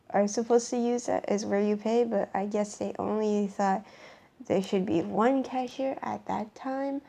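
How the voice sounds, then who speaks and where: Young Canadian woman vlogging at home into a camera, hoarse, mellow-toned, rambling. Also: mid-range voice. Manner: rambling, lots of ums and restarts. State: hoarse, voice worn from shouting. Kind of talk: casual show-and-tell vlog.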